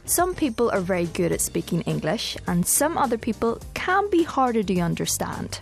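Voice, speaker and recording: Northern Irish woman, lively lesson host. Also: mid-range voice, normal speed, faint music behind. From Northern Ireland. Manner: clear, explanatory, asks co-host questions. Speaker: co-host of English learning programme. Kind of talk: scripted educational presenting.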